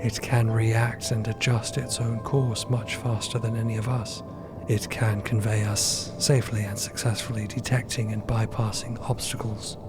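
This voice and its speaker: Man as a low, monotone, formal ship intelligence. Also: normal speed, loud music behind the voice, close to an everyday voice. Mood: calm assurance.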